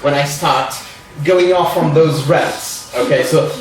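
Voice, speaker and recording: A man's voice: on the high side, slow pace, slight background noise. Man, Portuguese accent, non-native English speaker, reading group organizer, careful and hedging, very echoey room. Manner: careful, hedging, many "sort of" fillers. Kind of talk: informal introductory talk to a group. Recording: very echoey room, mic far off.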